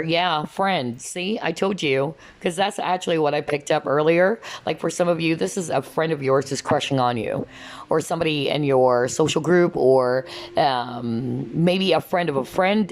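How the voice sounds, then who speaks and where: Woman, low voice, hoarse and fading, tarot reader, rambling casual talk. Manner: rambling, repeats "that's what I'm hearing". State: losing her voice, hoarse. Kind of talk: casual pick-a-card tarot reading.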